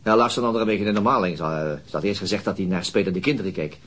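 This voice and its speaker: An actor playing a gruff, world-weary middle-aged detective and father in a naturalistic radio drama. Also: lowish voice, very fast, fairly bright tone. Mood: relaxed, recalling.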